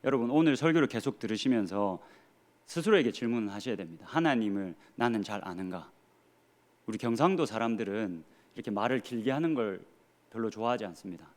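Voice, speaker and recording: This Gyeongsang-accented pastor, in his thirties, talks fast and expressively in a lowish voice. He delivers his sermon with earnest conviction, mixing in rhetorical questions and a dry wit.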